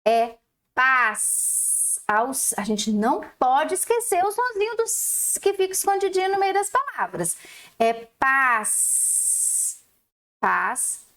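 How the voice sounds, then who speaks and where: Speaking in an extremely high, sing-song, fairly bright voice, a primary school teacher records a lesson for young children. She explains things slowly, drawing out every syllable.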